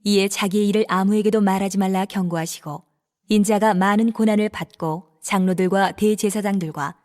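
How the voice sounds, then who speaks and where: A woman narrating scripture in a calm, even, reverent manner. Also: mid-range voice, fairly quick.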